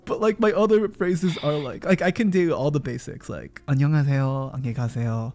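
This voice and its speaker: A man hosting a casual stream, chatting in an animated way and laughing often. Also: on the high side, fast. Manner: animated, laughs often, usually shouts into mic. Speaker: streamer host. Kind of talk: casual chat while crocheting.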